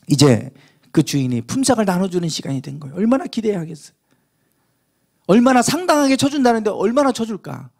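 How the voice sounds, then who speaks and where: A man preaching a sermon as pastor, telling a parable with lively acted-out dialogue. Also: fairly high pitch, vocal fry, husky. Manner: animated storytelling, acting out the parable's dialogue.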